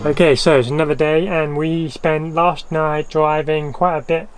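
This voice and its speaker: A young man chatting casually on a campervan road-trip vlog, relaxed and rambling with fillers. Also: fairly high pitch, moderate pace, over music. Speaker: travel vlogger.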